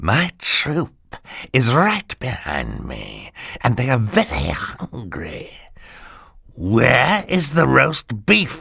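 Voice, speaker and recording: In a put-on character voice, a man speaks very slowly at medium pitch, sounding raspy and leaving long, frequent pauses. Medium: read story. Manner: menacing, haughty.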